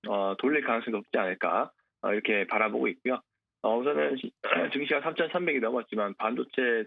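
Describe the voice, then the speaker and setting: A man's voice: mid-range voice, gravelly, no room sound. A man giving stock market commentary as a guest analyst, speaking hesitantly with frequent filler sounds. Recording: tinny phone-line sound.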